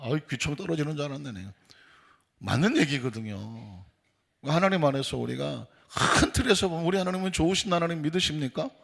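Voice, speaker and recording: A man preaching with a gravelly, husky voice that sits a little high for a man. He talks in a folksy, emphatic way and keeps slipping into the voices of the people he quotes. This is a dawn sermon given in a church sanctuary. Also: animated, brisk, a bit bright. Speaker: pastor. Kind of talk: animated dawn-service sermon.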